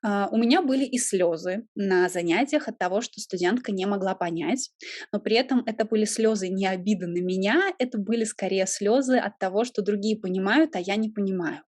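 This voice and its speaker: A young woman, a Russian language teacher, explaining her teaching views in a relaxed conversation, pausing often with small hesitations. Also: medium pitch, dry recording, clean studio sound. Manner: thoughtful, explanatory, with frequent hesitations. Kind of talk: conversational interview.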